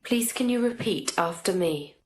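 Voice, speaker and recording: A woman's voice: mid-range voice, expressive, normal speed. A woman acting as a clinician, giving polite, simple step-by-step instructions to a patient. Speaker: clinician demonstrating an examination. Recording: echoey room.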